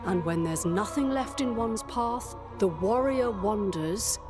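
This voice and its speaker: A woman playing a composed, proud and stern warrior mentor in a video game, speaking in a measured, solemn way. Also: medium pitch, lively intonation, lightly acted. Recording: music behind the voice.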